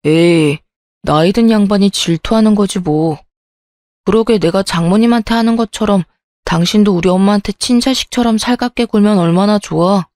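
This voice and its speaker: A woman's voice: medium pitch, normal speed, darkish tone, dry recording, clean studio sound, close to an everyday voice. A woman voicing a selfish young husband who talks offhandedly and brushes off complaints. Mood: dismissive.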